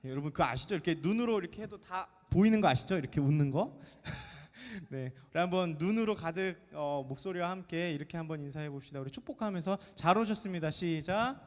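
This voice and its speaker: A man's voice: on the high side, a little fast, darkish tone. A man in his thirties, a pastor giving a chatty, jokey sermon to a middle-school youth group, often asking the congregation questions. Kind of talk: lively sermon to teenagers. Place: church sanctuary. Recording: long church reverb.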